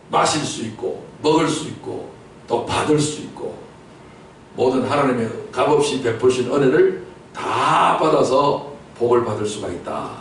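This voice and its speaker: A man preaching a Sunday sermon as pastor, questioning his congregation and repeating key words for emphasis. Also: medium pitch. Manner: rhetorical repetition and sudden loud outbursts. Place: church sanctuary. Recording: echoey church from a distance, faint noise.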